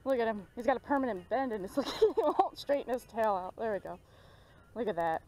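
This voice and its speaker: A young woman chatting excitedly while fishing at a pond, filmed on a head-mounted action camera. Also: medium pitch, rough recording. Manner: excited, chatty, laughs often. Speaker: fishing vlogger. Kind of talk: casual commentary while fishing. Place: outdoors at a pond bank.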